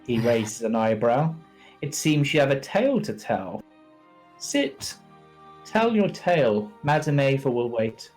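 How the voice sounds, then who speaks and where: A man narrating and role-playing theatrically as game master of a tabletop game, dramatic and deliberate with pauses. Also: on the high side, very animated, a little mellow. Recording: music playing behind the voice.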